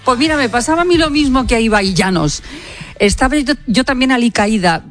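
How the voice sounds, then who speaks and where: A woman in lively, chatty conversation as a radio contributor. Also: on the high side, brisk, soft background music. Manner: chatty, lively, laughs often. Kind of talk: radio chat.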